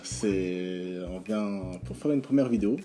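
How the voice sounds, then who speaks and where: A man's voice: on the low side, unhurried, over music. A man introducing a Christian video with his wife, speaking hesitantly with many fillers and restarts. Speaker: co-host of a Christian video channel. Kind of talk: hesitant casual presentation.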